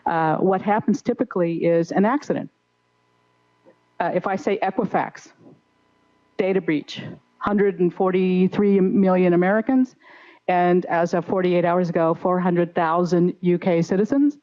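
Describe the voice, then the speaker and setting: A middle-aged woman speaking off the cuff as a conference panelist, in halting but emphatic phrases, into a handheld mic. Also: lowish voice, fairly even intonation, mellow, muffled recording. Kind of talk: unscripted panel discussion. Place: on stage in a conference hall. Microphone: handheld microphone.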